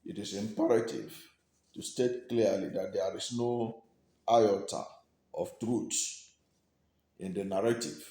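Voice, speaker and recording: An echoey room surrounds a man with a low voice and a Nigerian accent. He delivers news commentary as if to the record, breaking sentences into short, weighted phrases. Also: darkish tone. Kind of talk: news commentary, reading out statements.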